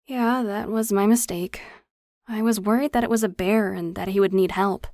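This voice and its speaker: A worried young woman in a storybook, as a female reader voices her, hesitant and a touch higher than the narration around her. The recording is close and dry. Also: fairly even intonation, normal speed, a little mellow, no echo, close to an everyday voice.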